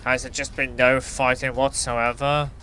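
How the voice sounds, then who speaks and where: An actor playing a blunt, sarcastic and exasperated flying hero in an audio drama. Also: male voice, medium pitch, little pitch movement, measured pace, pushed and bright, soft background music, rough recording. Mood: blunt, questioning. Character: exasperated sweary flying hero, stranger from Earth. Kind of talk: scripted audio drama acting.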